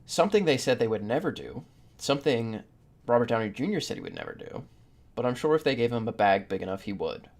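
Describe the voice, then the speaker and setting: Male podcast host, average pitch, informal and opinionated, delivers views with emphasis. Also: wildly swooping pitch, quick pace, creaky. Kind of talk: casual opinionated panel chat.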